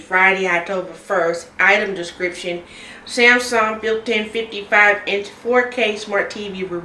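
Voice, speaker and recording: On her mukbang vlog, a woman chats casually while eating and tells a story, laughing often. Her medium-pitched voice is bright and forceful, and the sound is reverberant.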